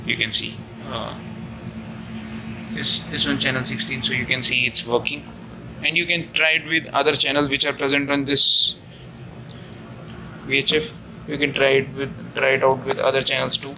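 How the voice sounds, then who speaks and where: Creaky-voiced man, flat and halting. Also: medium pitch. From India. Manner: halting, repeats and rephrases himself. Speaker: ship officer giving an equipment tutorial. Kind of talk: informal hands-on demonstration. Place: indoors at a chart table aboard ship. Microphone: handheld phone camera mic. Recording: noisy room, amateur phone video. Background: steady room noise.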